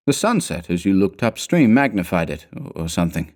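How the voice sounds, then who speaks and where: A blustering male adventurer from a storybook , read by a man. He is stubbornly rational and dismissive, with nerves showing through his impatience. His voice sits fairly low for a man. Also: very animated, brisk, a little mellow. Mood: dismissive, uneasy. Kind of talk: storybook character dialogue.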